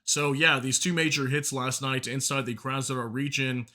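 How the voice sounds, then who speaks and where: Bright-voiced man hosting a news briefing. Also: medium pitch, fairly even intonation, normal speed. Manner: informal, addresses viewers as guys, apologizes for stumbles. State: slightly hoarse from a sore throat. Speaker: news channel host. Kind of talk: casual war news briefing.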